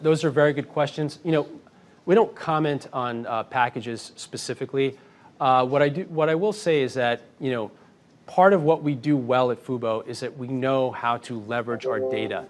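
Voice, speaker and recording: A man speaking as a company executive, answering analysts on an earnings call in a confident, measured way. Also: medium pitch.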